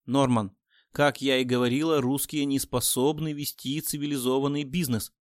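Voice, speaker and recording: A man's voice: mid-range voice, fairly even intonation, moderate pace, no room sound, clean studio sound, lightly acted. A man voicing a smug, insistent woman who works as an assistant and translator in an audiobook.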